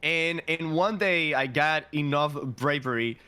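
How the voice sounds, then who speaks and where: A man from Cuba co-hosting a podcast, telling stories in an animated, casual way. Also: on the high side, measured pace, clear, resonant tone, faint music behind. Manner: animated, informal storytelling. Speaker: podcast co-host.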